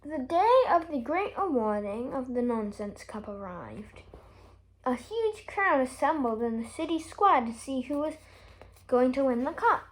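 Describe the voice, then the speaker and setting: A woman reading a children's storybook aloud with expressive, emphatic delivery. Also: high-pitched, measured pace, low-quality recording. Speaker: story reader.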